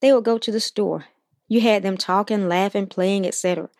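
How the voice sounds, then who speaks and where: A woman hosting a Christian motivational podcast, reading scripture and encouraging listeners in an earnest, steady way. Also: medium pitch, brisk, vocal fry, no room sound, clean studio sound. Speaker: podcast host.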